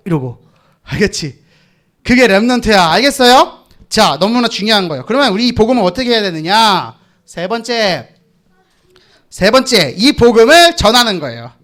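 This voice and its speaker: A man's voice: sits high, fairly bright tone. A young man leading a children's sermon, coaxing the kids to repeat lines after him in call and response. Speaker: children's pastor.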